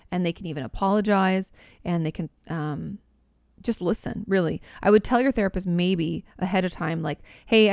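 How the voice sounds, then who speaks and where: A woman therapist hosting an advice podcast, answering listener questions in a measured, reassuring way with loose, run-on explanations. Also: on the low side, vocal fry, a little mellow, no room sound, clean studio sound.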